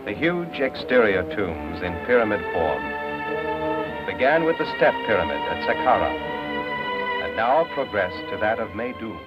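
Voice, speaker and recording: Documentary narrator: man, low voice, wildly sweeping intonation, loud music bed, muffled old audio. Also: big pitch swings, normal speed. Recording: dull lo-fi archive clip with loud music.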